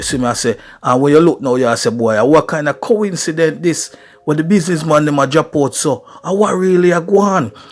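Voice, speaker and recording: A man's fairly high voice with a Jamaican accent. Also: lively intonation, fairly quick pace. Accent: Jamaican, Patois-inflected English. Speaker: online news commentator. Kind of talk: news commentary. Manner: animated.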